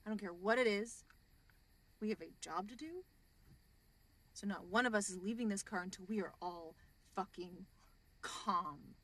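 A woman's voice: medium pitch, moderate pace, pauses often, a bit bright, lightly acted. An actress playing a profane woman in a crew of criminals, laying down the law and telling a crude joke. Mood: stern. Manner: profane, bossy, tells a joke. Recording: voice a bit off-mic.

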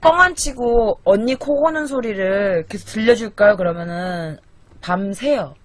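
A woman's voice: mid-range voice, moderate pace, dry recording. A young woman from Korea livestreaming from her apartment at night, swearing casually and venting in an exasperated way. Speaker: live streamer. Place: small apartment at night, sister asleep in the loft. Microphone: desk microphone.

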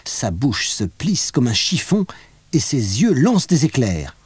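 A man narrating a children's audiobook in an expressive, lively storytelling manner. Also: medium pitch, unhurried, slightly rough, no room sound.

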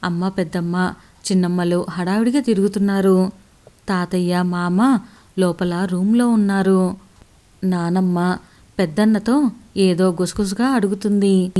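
Woman with a mellow storytelling voice. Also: medium pitch, steady tone, a little slow, long pauses. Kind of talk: scripted first-person story narration.

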